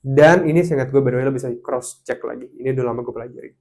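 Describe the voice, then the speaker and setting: A young man talking casually to camera, giving advice and telling stories, acting out quoted lines with sudden jumps in pitch. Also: racing, gravelly. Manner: animated storytelling, acts out quoted lines with sharp pitch jumps. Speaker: host.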